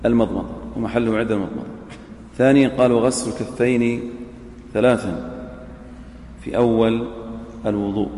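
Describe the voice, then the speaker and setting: A man teaches a class in a large hall with a long, ringing echo and faint room noise behind him. His voice is gravelly and dark. He reads a line from a text, says it again, then puts questions to his students. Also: medium pitch. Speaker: teacher of Islamic jurisprudence. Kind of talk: classroom lecture on a legal text. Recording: echoey hall recording with faint ambience.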